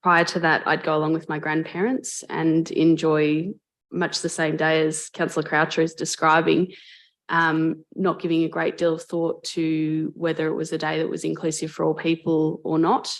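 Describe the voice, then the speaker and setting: An Australian woman, a mayor, speaking earnestly and in a measured way in a council debate, with frequent ums and restarts. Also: low voice, monotone. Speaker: mayor chairing a council meeting. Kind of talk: formal council debate speech. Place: council chamber.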